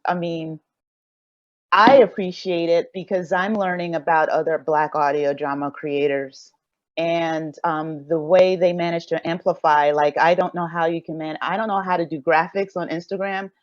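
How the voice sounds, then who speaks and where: Female panelist, slightly low pitch, conversational, lo-fi call recording. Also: steady tone, normal speed, no echo. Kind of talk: casual panel talk. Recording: dull, dry lo-fi call audio.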